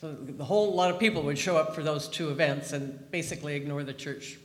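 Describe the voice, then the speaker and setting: A man's voice: fairly high pitch, brisk. Older man telling stories in an echoey hall. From Pacific Northwest, USA. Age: around 70. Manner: chatty, humorous, wandering with restarts. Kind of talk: personal testimony, storytelling. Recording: echoey hall with long reverb.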